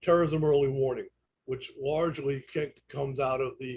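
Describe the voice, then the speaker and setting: A man's fairly high-pitched voice with a Brooklyn accent, at a moderate pace, with fairly even intonation. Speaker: retired police lieutenant and instructor. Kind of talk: presentation. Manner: louder after request. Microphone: too quiet for some listeners.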